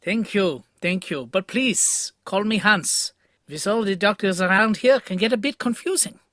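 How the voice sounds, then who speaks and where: An actor playing a courteous older German Jewish scientist who greets a new colleague. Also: male voice, high voice, a little slow, a bit bright, no echo.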